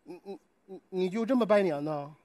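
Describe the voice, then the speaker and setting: A man's voice: sits high, fairly quick, a little mellow. A man with a Northeastern Mandarin accent playing an easygoing visitor in a stage comedy sketch. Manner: easygoing, plain-spoken banter.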